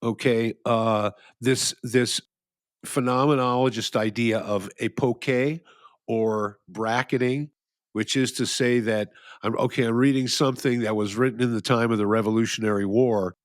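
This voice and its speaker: Male podcast co-host, mid-pitched, close and dry, meandering musings with restarts. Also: fairly even intonation, normal speed, no room sound. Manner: rambling, restarts often, laughs at own jokes. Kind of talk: casual philosophical chat.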